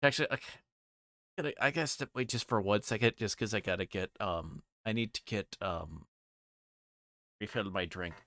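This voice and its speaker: Low-voiced man on a livestream. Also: moderate pace, bright, forceful tone, no room sound, studio quality. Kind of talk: casual livestream chat and reading visual novel text aloud.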